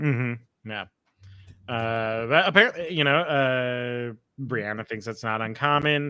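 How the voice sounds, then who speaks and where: At a fairly slow pace, a man with a slight New Jersey accent speaks at medium pitch with ordinary pitch variation and big swings in loudness. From Central New Jersey. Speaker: improv comedian. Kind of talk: casual chat.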